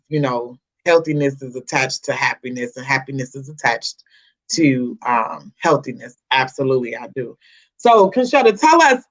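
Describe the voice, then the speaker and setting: Bright-voiced woman in her forties hosting. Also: sits low. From Chicago. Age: 40s. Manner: lively, laughs often, repeats herself. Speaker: talk show host. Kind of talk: casual interview chat.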